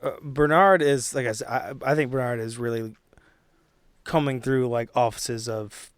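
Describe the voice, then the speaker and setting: A man's voice: mid-range voice, fairly even intonation, moderate pace, smooth, no echo, studio quality. A man chatting casually as a player in a tabletop game, improvising as he goes.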